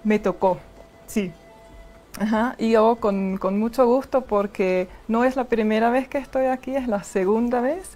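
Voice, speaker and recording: A woman from Switzerland, an ambassador, speaking slowly pauses. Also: fairly high pitch, mellow, faint music behind. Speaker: ambassador guest.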